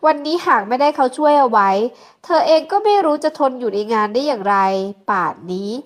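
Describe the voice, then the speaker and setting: A woman reading a romance novel aloud in steady, scripted narration. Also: sits high, fairly quick. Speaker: audiobook narrator.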